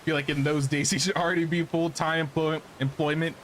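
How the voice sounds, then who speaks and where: A man's voice: on the high side, level tone, brisk, a little hiss or hum. A man casually commenting on his gameplay during a live stream, thinking aloud and answering chat questions.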